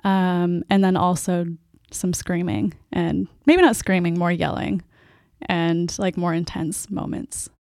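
A soft-spoken Canadian woman, a band's singer and guitarist, answering interview questions with a hesitant, laughing way of talking. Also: lowish voice, slow, no room sound, clean studio sound. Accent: Canadian English. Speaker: band's lead vocalist and guitarist.

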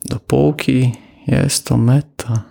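A man guiding a loving-kindness meditation, speaking calmly with long pauses. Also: mid-range voice, gravelly, slightly rough. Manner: slow, calm, with long pauses. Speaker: meditation teacher. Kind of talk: guided metta meditation.

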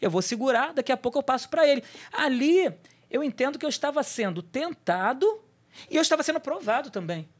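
A man's voice: very high-pitched, animated, fairly quick. A man sharing a personal testimony on a church talk show, telling the story with energy and acting out the voices of people in it.

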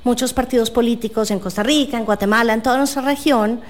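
A young woman hosting a casual interview, talking quickly and chattily with frequent filler phrases. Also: a little high. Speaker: podcast host.

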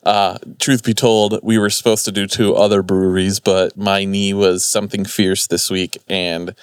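A man's voice: low-pitched, level tone, normal speed, clear, resonant tone, dry recording, clean studio sound. A man hosting a podcast in casual, informal, unpolished chat. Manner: informal, sweary. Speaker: podcast host.

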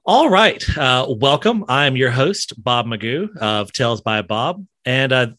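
A man's voice: medium pitch, animated, measured pace, pushed and bright, no echo, clean studio sound. A man, from Alabama, hosting a casual interview podcast in a chatty way full of fillers. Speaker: podcast host.

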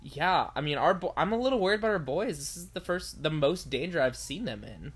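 A woman's voice: low voice, lively intonation, brisk, husky. A woman co-hosting a casual podcast, teasing the others with wry jokes. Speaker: podcast co-host. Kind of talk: casual chat.

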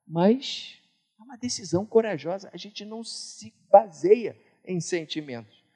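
High-voiced Brazilian man preaching in a hall. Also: animated, measured pace, slightly rough. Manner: emphatic, swings between loud and hushed. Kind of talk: sermon. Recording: reverberant hall.

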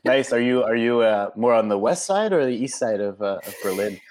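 A man's voice: medium pitch, brisk, darkish tone. A man hosting a podcast, reading a scripted introduction and then asking friendly questions with frequent restarts. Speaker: podcast host.

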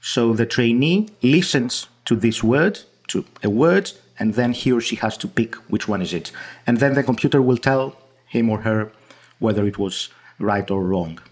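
A man's voice: mid-range voice, expressive, moderate pace. A man from Greece with a Greek accent, a guest researcher in an interview, explaining with frequent restarts and fillers. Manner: hesitant, many restarts and fillers.

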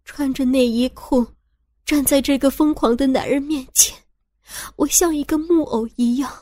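A woman narrating a first-person audio story in a slow, hushed, tense way. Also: high voice, fairly even intonation, no room sound, studio quality.

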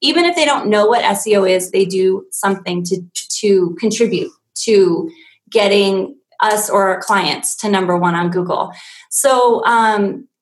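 Woman host, talks fast and eager about her field, sound bounces in the room. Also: medium pitch, roomy sound, rough recording. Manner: enthusiastic, chatty, nerdy about her subject. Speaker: digital marketing agency owner. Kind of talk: casual live-stream chat.

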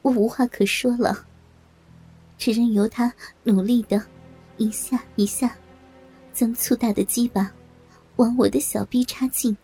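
A woman narrating a first-person audio story in a breathy, halting way, stammering at times. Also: on the high side, mellow.

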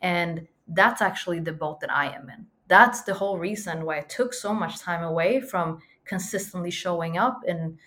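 This woman from Sweden has a lowish, fairly bright voice and speaks at a moderate pace with hardly any pauses. Mostly American-sounding with a faint Swedish accent, she's an earnest, reflective podcast guest who leans on emphatic repetition.

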